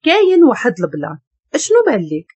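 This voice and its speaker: A woman's voice: on the high side, huge pitch swings, very fast, a little mellow, husky, no room sound, dull audio, full character voice. A woman voicing a scheming young woman from the neighborhood, speaking in a cool, blunt, persuasive way with a Moroccan accent. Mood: coaxing.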